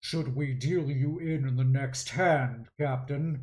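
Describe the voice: A man puts on a character voice, pitched in a medium range and delivered fairly slowly.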